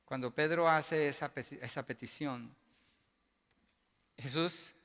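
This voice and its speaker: A man preaching a sermon as pastor, asking his congregation rhetorical questions and building to loud, emphatic passages. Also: fairly high pitch, takes it slowly. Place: church sanctuary. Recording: long church-hall reverb.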